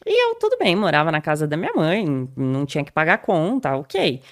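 A woman's voice: sits low, brisk, dry recording, clean studio sound. A woman, a podcast guest chatting casually and telling stories with lots of laughs and fillers. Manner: animated storyteller, laughs often, many fillers. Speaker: guest neuropsychologist.

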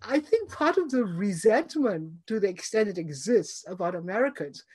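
A woman's voice: mid-range voice, very animated, normal speed, darkish tone, breathy edge. A woman in her seventies from Singapore, a guest in an interview, answering in a chatty, reflective way with frequent fillers and light laughter. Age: 70s.

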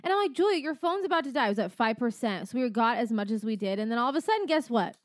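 A woman's voice: on the high side, animated, quick pace, dry recording, studio quality. A young woman co-hosting a podcast, teasing and playful, with lots of filler words. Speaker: podcast co-host. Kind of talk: casual chat.

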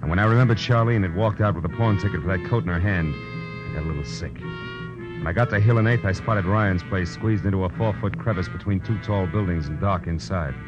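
Hard-boiled detective lead male actor: American, low register, tough, clipped, wisecracking; vintage radio sound, dulled top end. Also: a little fast, lightly acted. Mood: wry narration. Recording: muffled old radio recording, background music.

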